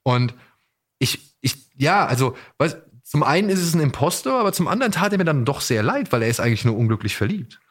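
A man's voice: a little high, sing-song, brisk, a bit bright. A man hosting a podcast in casual discussion, searching for his words and often repeating them as he goes. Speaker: podcast host.

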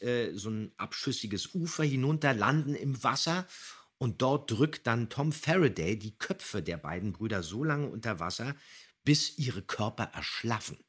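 A man's voice: mid-range voice, slightly rough. A man co-hosting a podcast, giving casual commentary and background on a radio play. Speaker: podcast co-host.

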